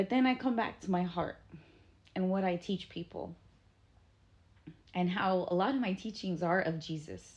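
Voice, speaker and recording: A woman talks at a moderate pace and medium pitch, somewhat breathy. Her pitch varies in an ordinary way, and she takes long, frequent pauses. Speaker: spiritual coach. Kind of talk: spiritual vlog message. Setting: in bed.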